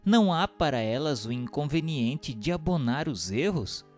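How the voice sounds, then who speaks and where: A man's voice: a little high, animated, normal speed, faint music behind, natural voice. A man playing an earnest questioner in a scripted audio drama, asking in a formal, inquiring way. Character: earnest male questioner seeking truth from spirits.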